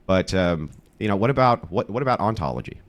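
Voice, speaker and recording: A man's voice: deep voice, sing-song, fast talker. A man arguing in an online debate, assertive and challenging, with emphatic explanations. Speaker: debater, online course seller.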